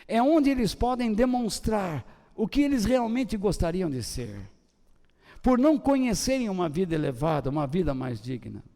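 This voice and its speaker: An older man with a Brazilian Portuguese accent preaching a sermon, swinging between loud high bursts and soft low trailing ends. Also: lively intonation, moderate pace. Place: church hall. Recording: long church hall reverb.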